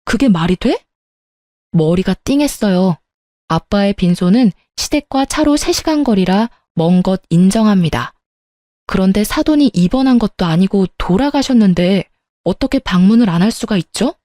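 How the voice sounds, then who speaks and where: A woman narrating a first-person real-life story in a steady, scripted reading tone. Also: medium pitch, moderate pace, no room sound, studio quality.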